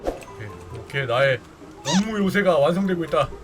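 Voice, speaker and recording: An excitable man commenting on his gameplay, with a high voice that swings wildly up and down. He breaks into panicky yelps and outbursts. Background music plays clearly under his talk. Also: moderate pace. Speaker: gaming video host. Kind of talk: game commentary.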